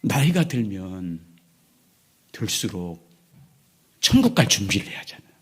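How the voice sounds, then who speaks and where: A man in his sixties, a pastor preaching a sermon in a church, moving between loud emphatic lines and hushed, near-whispered ones. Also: lowish voice, big pitch swings, measured pace, husky. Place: church sanctuary.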